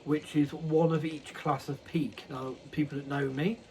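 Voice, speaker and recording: A man's voice: on the high side, level tone, unhurried, creaky, a little mellow, a little hiss or hum, low-quality recording. A man casually vlogging about his model railway hobby, rambling and correcting himself with many ums. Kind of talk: casual unboxing chat.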